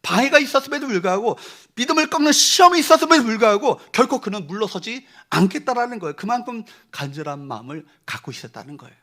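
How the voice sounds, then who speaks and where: High bright-voiced man preaching emphatically. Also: very animated, fast talker, few pauses. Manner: emphatic, rhetorical questions to the congregation; leads congregation in reading verses aloud. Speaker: pastor. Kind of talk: Sunday sermon. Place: church sanctuary.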